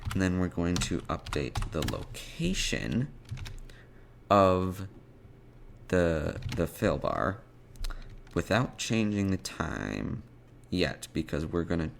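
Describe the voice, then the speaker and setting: A man presenting a casual step-by-step programming tutorial, haltingly thinking aloud as he types. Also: sits low. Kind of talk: casual step-by-step coding screencast narration. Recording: clear background noise, keyboard clicking and typing. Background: computer keyboard typing and clicks.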